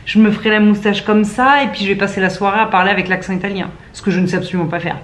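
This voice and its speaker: A woman's voice: mid-range voice, fairly even intonation, very fast. A young woman in her twenties chatting casually and playfully to camera at home, teasing and mocking herself as she talks. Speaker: vlogger. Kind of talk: casual vlog chat to camera. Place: at home indoors.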